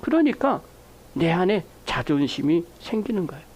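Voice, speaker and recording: A middle-aged male pastor delivering a Sunday sermon. His pitch swings widely as he acts out little conversations and calls on the congregation to answer amen. The talk is lively and direct. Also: normal speed, slightly rough. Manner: animated storytelling, acts out quoted dialogue; addresses congregation directly, asks for amens.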